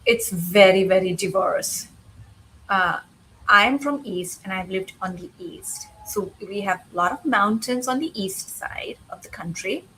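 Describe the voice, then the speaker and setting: A woman voicing a guest's signed answers in an interview. She speaks slowly, pausing with uh between phrases. Faint ambient noise sits behind her. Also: medium pitch, lively intonation, a bit bright, low-quality recording.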